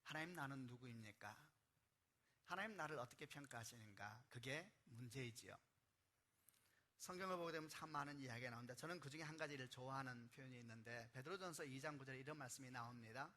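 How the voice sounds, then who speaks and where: A man's voice: medium pitch, fast talker, sharp tone. A male pastor preaching a sermon in a church, earnest and building to fervent emphasis. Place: church sanctuary.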